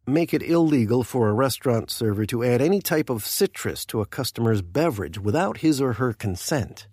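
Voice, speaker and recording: An actor playing a nervous, deadpan presidential aide who tells his story with dry quips in a comic radio play. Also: medium pitch, a little fast, husky, no echo.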